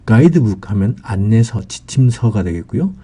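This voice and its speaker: A man's voice: fairly low pitch, very animated, normal speed, warm tone, husky. A man giving an English vocabulary lesson, explaining patiently with many fillers.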